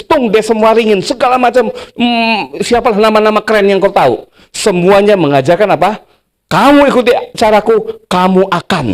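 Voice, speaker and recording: A man preaching a sermon, talking with the congregation, asking questions and acting out little scenes. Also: high-pitched. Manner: lively preacher, talks with the congregation, asks them questions. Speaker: pastor. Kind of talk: sermon with illustrations.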